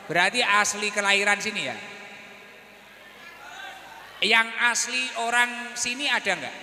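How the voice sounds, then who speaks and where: A man's voice: sits high, measured pace, bright, forceful tone. A man, a preacher who chats with and teases people in the crowd of a religious gathering, speaking into a handheld mic. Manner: chatty, teasing, questions people in the crowd. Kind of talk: lively crowd interaction and sholawat chanting. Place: large venue with a congregation. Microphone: handheld microphone. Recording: echoey hall with faint noise.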